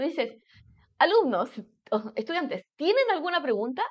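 At a fairly quick pace, a woman speaks at an extremely high pitch with very wide pitch swings. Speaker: mentor. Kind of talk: casual interview. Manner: fast.

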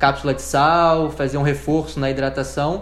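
Noticeable background noise and audible room echo are present as a man talks at a moderate pace. His fairly high voice has monotone, flat intonation. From Rio de Janeiro, Brazil. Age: 30s. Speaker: amateur trail runner. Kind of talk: casual interview.

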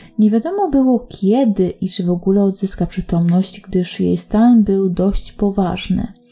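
Music plays behind a woman with a medium pitch for a woman and ordinary pitch variation. She talks at a fairly slow pace with hardly any pauses. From Poland, Łódź. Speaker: true crime podcaster. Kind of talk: storytelling narration.

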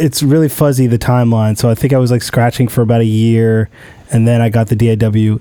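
There is noticeable background noise as a man talks fairly fast. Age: 20s. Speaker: music producer. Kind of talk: casual chat.

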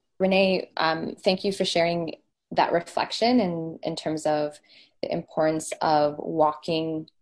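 With a Canadian accent, a woman speaks at a fairly slow pace with fairly even intonation. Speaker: podcast host. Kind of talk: interview. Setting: call. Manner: hesitant, many fillers.

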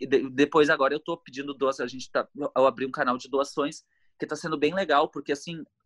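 A man at a fairly quick pace, recorded dry and close with no echo. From southern Brazil, Porto Alegre. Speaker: singer-songwriter. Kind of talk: casual chat. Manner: animated.

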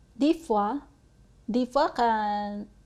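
This woman's voice sits at a fairly high pitch. She speaks with a Filipino accent. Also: quiet background. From Philippines. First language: Bisaya (speaking French). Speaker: immigrant worker. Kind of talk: interview. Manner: halting.

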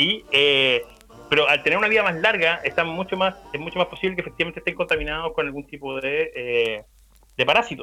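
Fairly quick and lively in intonation, a man talks. His pitch is high for a man. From Chile, Talcahuano. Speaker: podcast guest. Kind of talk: casual chat.

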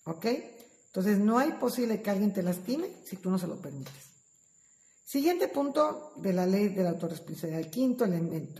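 Fairly quick, somewhat breathy female speech with very wide pitch swings. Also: medium pitch for a woman. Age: 50s. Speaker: spiritual podcast host. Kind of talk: spiritual self-help monologue.

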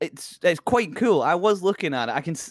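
Vocal fry at a moderate pace, with a dry, close sound and no echo. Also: man. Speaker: quiz host. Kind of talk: casual chat.

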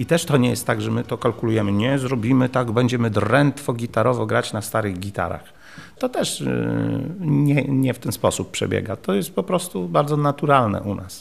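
Over noticeable background noise, a man speaks at a moderate pace with a medium pitch and lively intonation. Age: 50s. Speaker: musician. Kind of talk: interview.

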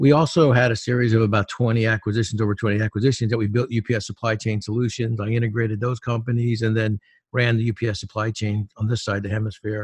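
A man's somewhat breathy, very fast, flat monotone with hardly any pauses and a dry, close sound free of echo. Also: medium pitch for a man. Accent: American. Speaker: author and former executive. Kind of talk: casual interview chat.

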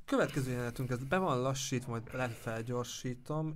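With fairly even intonation, an unremarkable speaking voice proceeds at a moderate speed. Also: man. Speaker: radio host. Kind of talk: interview. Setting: studio.

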